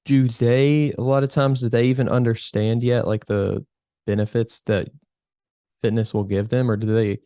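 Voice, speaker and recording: A man's voice: medium pitch, little pitch movement, moderate pace, dark tone, no echo, clean studio sound. A man hosting a casual interview podcast, rambling a little as he rephrases his questions.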